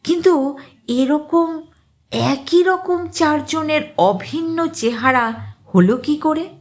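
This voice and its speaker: A woman reading an eerie short story aloud as dramatic narration, with a suspenseful delivery and deliberate pauses. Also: high voice.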